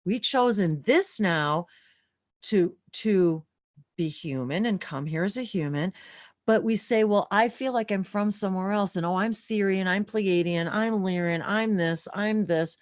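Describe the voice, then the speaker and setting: A woman's voice: mid-range voice, unhurried, dry recording, studio quality. A woman hosting a live spiritual talk stream, musing aloud in a casual, searching way. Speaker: host.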